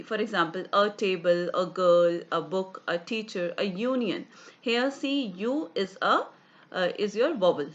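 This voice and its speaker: A woman's voice: mid-range voice, fairly bright tone, lo-fi sound. A woman with an Indian English accent teaching an online grammar class, explaining rules step by step and often checking "right?" and "got it?".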